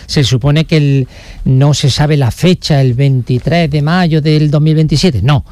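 A man's voice: on the high side, steady tone, unhurried, a little mellow, no room sound. A man, chatting on the radio as a correspondent in a jokey, self-mocking, rambling way. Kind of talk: casual radio chat.

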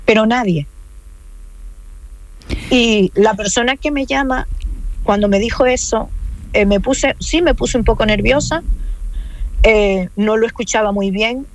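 A woman's voice: on the high side, measured pace, pauses often, low-quality recording. A woman in an interview telling her own story, earnest and insistent, repeating key points. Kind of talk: emotional personal account.

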